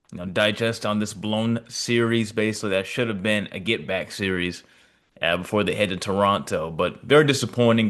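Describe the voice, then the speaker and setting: A man's voice: on the low side, fairly bright tone. A man co-hosting a casual sports podcast, talking in a let-down way with plenty of asides. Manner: disappointed, talks with fillers and asides. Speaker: podcast co-host.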